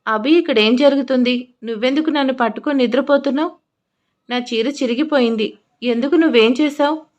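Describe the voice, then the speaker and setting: Frightened, angry young woman, voiced by a female storyteller, shouting and high. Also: brisk, dull audio, natural voice. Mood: panicked shouting. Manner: shouting, panicked.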